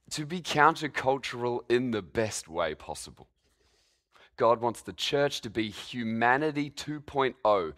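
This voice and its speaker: A hoarse Australian man preaching a sermon to his congregation, talking conversationally and putting questions to them. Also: medium pitch, a bit bright. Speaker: pastor.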